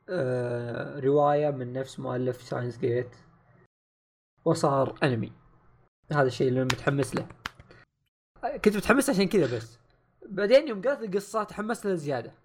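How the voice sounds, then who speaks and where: A man with a gravelly, fry-laden voice. He talks quickly in a casual podcast chat. He teases his co-host and gives his opinions bluntly. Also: fairly high pitch, darkish tone.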